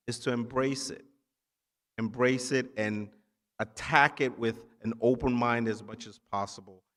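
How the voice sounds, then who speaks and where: Standing on stage in a big indoor hall, a keynote speaker who grew up in Nigeria, a physician assistant by profession, encourages the students at a ceremony. He uses emphatic phrases with brief pauses, his voice mid-pitched and fairly bright amid long reverberation.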